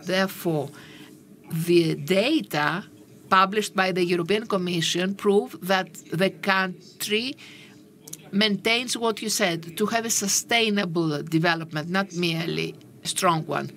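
A woman giving simultaneous interpretation of a panel discussion, with a halting, measured delivery and frequent pauses. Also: fairly low pitch, fairly bright tone, a little hiss or hum. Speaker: conference interpreter.

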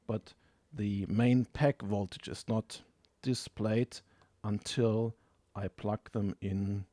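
Low-voiced man giving a measured tutorial. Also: warm tone, dry recording. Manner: methodical, explanatory, matter-of-fact. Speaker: tutorial presenter. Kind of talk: hands-on instructional narration.

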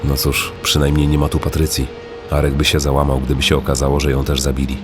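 A man's voice: extremely low pitch, completely flat delivery, fast. A man playing a grim, plain-spoken middle-aged father in an audio horror drama, sober and matter-of-fact. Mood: resigned, grim. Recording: music behind the voice.

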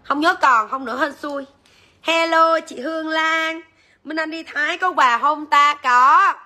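A woman's voice: high-pitched, a little slow, bright, forceful tone. A woman, chatting straight to viewers as she sells jewelry on a livestream. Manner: chatty, addresses viewers directly. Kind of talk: live-selling chat.

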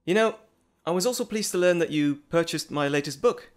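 Audio roleplay role, male actor: scholarly gentleman doctor, bashful and well-mannered, eager to ramble, articulate, very varied pitch. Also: animated, a little fast, lightly acted. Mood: flustered, friendly. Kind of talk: audio drama roleplay acting, addressing the listener.

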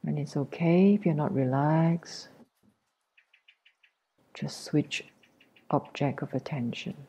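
Her voice is low and breathy, and she moves slowly as she guides a meditation. This teacher speaks gently and without hurry, placing short phrases between long pauses.

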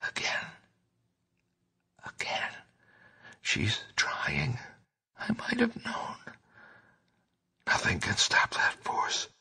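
A man's voice: mid-range voice, creaky, bright, forceful tone, breathy edge, pitched above the performer's own voice, exaggerated voice. A man voicing a terrified, hysterical man raving in cosmic panic, gasping, crying out and whispering, in a horror audiobook. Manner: shrieking and gasping, breaking into feeble whispers.

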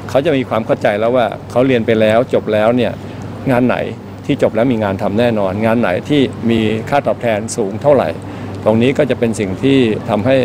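A middle-aged man, a government official giving a formal press statement in an indoor hall, polite and steady with frequent hesitation fillers. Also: medium pitch, background noise. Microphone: press microphones held up close.

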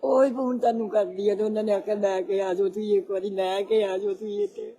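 A woman's voice: mid-range voice, steady tone, quick pace, warm tone. A woman complaining as she recounts her troubles. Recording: dull lo-fi sound.

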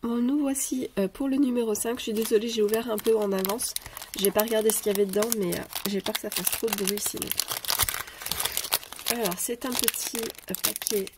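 A woman's voice: fairly high pitch, steady tone, noisy background. A woman with a cold and a stuffy voice, chatting casually as she unboxes craft gifts on camera and hesitating often. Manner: hesitant, many pauses and "euh" fillers. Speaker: craft vlogger. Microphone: camera over a tabletop, speaker off-frame. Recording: paper crinkling and clicks behind.

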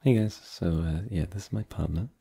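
A man's voice: deep voice, brisk, creaky, warm tone, breathy edge, heavily acted. A young man voicing an easygoing boyfriend in an ASMR roleplay, hesitant and filler-heavy, turning teasing. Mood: relaxed. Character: easygoing young adult boyfriend hosting friends.

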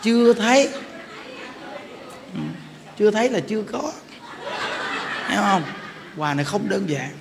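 A Buddhist monk, telling stories in a casual, animated sermon that speaks straight to his listeners. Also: high-pitched, unhurried, gravelly, long pauses, crowd noise. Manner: animated, laughing, addresses listeners directly. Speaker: Buddhist monk giving a dharma talk. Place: temple hall. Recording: reverberant hall, faint background noise.

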